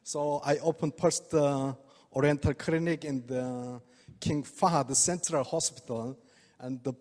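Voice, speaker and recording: An older man with a Korean accent, speaking halting non-native English to an audience and chuckling often. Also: medium pitch, fairly even intonation, a little mellow. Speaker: speaker, oriental medical doctor. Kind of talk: presentation to a live audience. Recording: reverberant hall.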